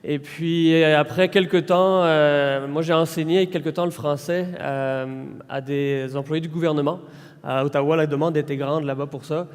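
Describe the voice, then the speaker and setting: Man, 30s, French accent, pastor, fairly high voice, long church-hall reverb. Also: steady tone, clean tone. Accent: French from France. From France. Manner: conversational and unhurried, with frequent pauses. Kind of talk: informal sermon introduction.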